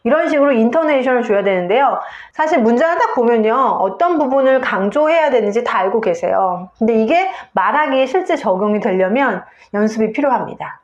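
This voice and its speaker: A woman's voice: a little high, expressive, a little fast, hardly any pauses, echoey room, highs cut off. A woman English teacher giving a video lesson on pronunciation, explaining step by step and saying example words aloud.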